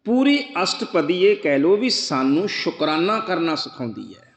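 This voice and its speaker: A man preaching a Sikh scripture sermon, chanting verses slowly and then explaining them earnestly. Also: on the high side, sing-song, echoey room, in a large hall. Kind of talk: slow devotional sermon.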